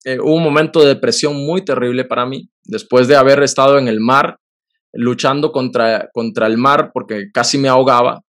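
A man's voice: medium pitch, steady tone, fairly bright tone. A man, hosting a Christian talk and telling a personal testimony in an earnest, emotional way. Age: 30s. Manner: earnest, emotional storytelling with quick bursts. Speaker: podcast host. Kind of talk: Christian testimony in casual conversation.

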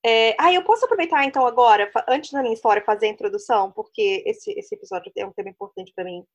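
Fast-talking woman podcast host. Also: on the high side. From Brazil. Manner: chatty, laughs often, fast-talking. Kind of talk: casual chat.

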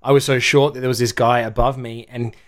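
A man co-hosting a podcast, telling animated stories in casual chat and chuckling along. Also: mid-range voice, a little fast.

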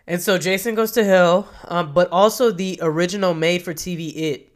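A woman's voice: lowish voice, moderate pace. Nasal, congested woman host. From Kentucky, US. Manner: enthusiastic, chatty, self-correcting. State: nasal from a cold. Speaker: podcast host, psychologist. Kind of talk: solo podcast monologue.

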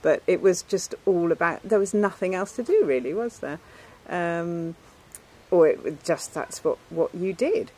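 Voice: medium pitch, animated, unhurried, a little mellow. A middle-aged person being interviewed outdoors in a village, speaking casually and hesitantly with many ums and restarts and light laughter.

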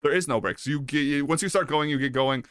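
A man's voice: a little high, fairly quick, a bit bright, smooth, no room sound, clean studio sound. A man chatting casually as a co-host reviewing a film, emphatic and given to repeating words. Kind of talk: casual chat.

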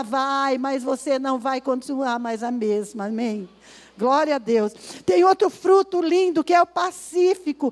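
A woman preaching a sermon at a women's service, reading scripture slowly and with emphasis and acting out complaining voices in asides. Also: high voice.

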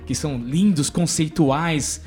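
A man's voice: on the high side, slow, soft background music. A man hosting an interview, asking questions and reflecting with enthusiasm. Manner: enthusiastic, reflective, lively intonation. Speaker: host. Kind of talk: casual interview chat.

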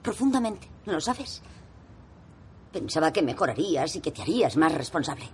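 A woman's voice: sits low, big pitch swings, normal speed, a little mellow, a little hiss or hum. A cold, sarcastic mother. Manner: cutting, sarcastic. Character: cold, sarcastic, successful middle-aged mother. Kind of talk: Spanish film dub.

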